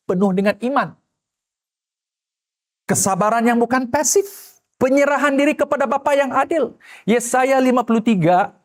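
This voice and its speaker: A male pastor delivers a sermon in an unusually high voice. He preaches with animation and tosses rhetorical questions at the congregation. He also slips into the voices of the people he quotes.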